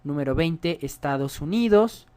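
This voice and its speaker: A man's voice: fairly high pitch, animated, unhurried, darkish tone, a little hiss or hum. A man gives a screen-recorded programming tutorial. He explains each step in a chatty way and keeps checking in with his viewers. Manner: chatty, explains step by step, often asks "¿sale?".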